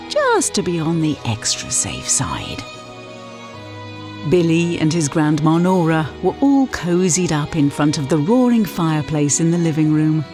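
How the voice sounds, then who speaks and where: British woman, low pitch, scripted comic story narration, soft music underneath. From Yorkshire, England.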